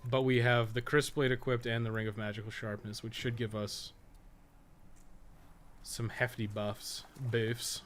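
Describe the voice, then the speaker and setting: A man giving casual, rambling live commentary as he plays a game, thinking out loud and swearing freely. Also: medium pitch, level tone, unhurried, slight background noise. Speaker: game streamer and guide maker.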